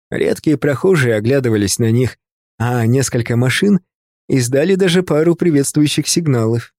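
Mellow male audiobook narrator, dry sound. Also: mid-range voice, vocal fry, no echo. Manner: calm, measured storytelling. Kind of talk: scripted narration of a novel.

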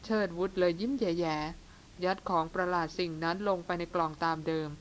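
A woman narrating a novel in a steady, measured reading. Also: on the low side, slight background noise, low-quality recording. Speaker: audiobook narrator.

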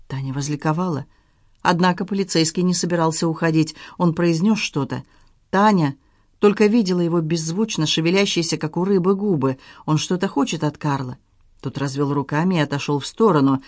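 Measured audiobook narrator, dry sound. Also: mid-range voice, no room sound. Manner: even, measured storytelling.

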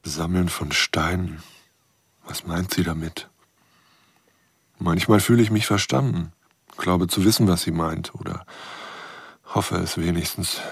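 Low-voiced, lonely, lovestruck astronomer. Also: male voice, creaky, breathy edge, exaggerated voice. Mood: pensive, hopeful. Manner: brooding, confessional. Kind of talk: radio drama monologue.

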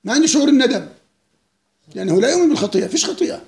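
A man's voice: very high-pitched, big pitch swings, racing, vocal fry, a little mellow, roomy sound. A man giving an informal lecture, mocking and laughing often and quizzing his listeners. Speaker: lecturer leading a book discussion.

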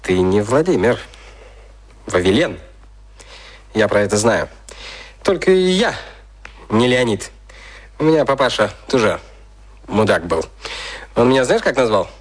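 Wildly animated, husky, crude boss. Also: male voice, mid-range voice, measured pace, long pauses. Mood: brash, confiding. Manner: blunt, colloquial, mocking. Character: crude, jovial, sly youngish male media boss. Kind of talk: radio drama acting.

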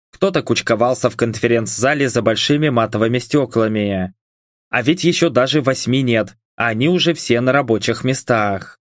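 A male narrator reading a first-person audiobook in a calm, even way. His voice sits in a middle range. The recording is dry, with no room sound. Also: medium pitch, no room sound.

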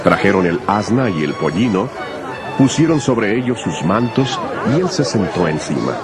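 Low, lively male scripture narrator. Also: moderate pace, music in the background, crowd noise.

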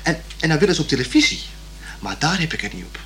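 A man playing a plain-spoken, stubborn but good-natured young working-class man in a radio play, talking haltingly and colloquially. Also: on the high side, sing-song, fairly bright tone, a little hiss or hum. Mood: stubborn, grumbling. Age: young adult. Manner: halting, colloquial, repeating himself.

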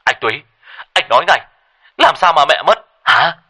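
A man's voice: deep voice, big pitch swings, normal speed, fairly bright tone, breathy edge, no room sound, studio quality, full character voice. A man voicing a tall, hot-tempered younger son who hisses angry demands in a storybook tale. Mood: furious. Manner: angry, hissing through teeth.

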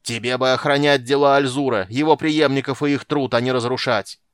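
A man voicing a cranky old male sorcerer who shouts and scolds in a shrill, petulant voice. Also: huge pitch swings, normal speed, no echo, studio quality. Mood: ranting.

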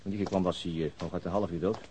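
An actor in a radio drama playing a weary, middle-aged veteran police detective, gruff but fatherly, in a naturalistic style. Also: low-pitched, fairly even intonation, quick pace, dark tone, natural voice. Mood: sober, businesslike. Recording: noisy radio drama recording.

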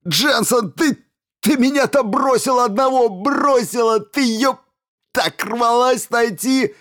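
A man's voice: very deep voice, animated, takes it slowly, creaky, husky, voice pushed down, heavily acted. Man voicing a delirious, wounded astrophysicist. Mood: screaming agony. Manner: groaning, then screaming in pain. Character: injured male astrophysicist, delirious and furious.

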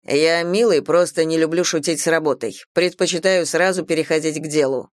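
Woman reader doing a stern male businessman, measured, dry studio sound. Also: fairly high pitch, steady tone, dry recording, natural voice. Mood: flat. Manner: blunt, commanding. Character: curt, demanding young businessman.

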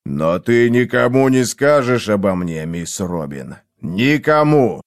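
A man voicing a sullen, menacing scarred brute who growls slowly. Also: lowish voice, very animated, heavily acted. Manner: growling, slow and threatening.

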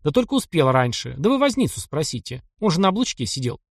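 Guy doing a cocky young hunter, sarcastic, lively voice, dry sound, audiobook. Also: a little high, fast talker, vocal fry, no echo, heavily acted. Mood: indignant. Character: bold young male taiga hunter, sharp-tongued.

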